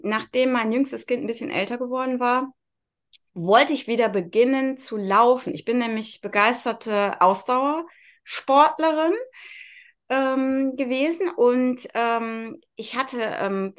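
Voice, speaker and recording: A woman in her fifties from near Cologne, telling her personal story openly as a podcast guest, with frequent pauses. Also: a little high, fairly bright tone, clear, resonant tone. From Germany, near Cologne. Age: 50s. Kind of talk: casual interview chat.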